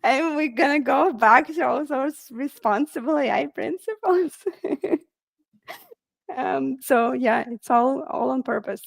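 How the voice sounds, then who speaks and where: Woman, tech webinar presenter, gravelly fry, fairly high voice, dry close sound, casual with fillers. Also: slow, no echo. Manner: casual, friendly, frequent ums and laughs.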